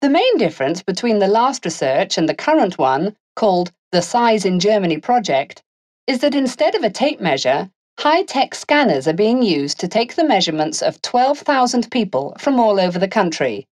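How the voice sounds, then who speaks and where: A woman's voice: mid-range voice, big pitch swings, normal speed, darkish tone, close to an everyday voice. A woman playing a polished radio news announcer, reading a scripted introduction in a composed manner. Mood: composed, informative. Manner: clear, composed newsreading.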